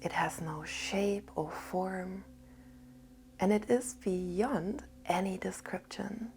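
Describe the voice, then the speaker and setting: A woman giving a gentle spiritual talk in a soft, half-whispered, calm voice. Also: mid-range voice, slight background noise. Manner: calm and unhurried. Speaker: spiritual teacher.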